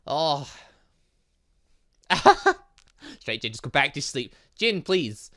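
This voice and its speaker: A man's voice: on the high side, very animated, very slow, sharp tone. A man hosting a gaming channel, giving let's play commentary on a visual novel with dramatic, exclaiming reactions.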